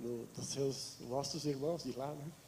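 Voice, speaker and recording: Amid audible room echo, a man's somewhat breathy, medium-pitched voice carries a dark, mellow tone and monotone, flat intonation. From Brazil, interior of São Paulo state. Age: 60s. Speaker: pastor. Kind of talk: sermon. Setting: church.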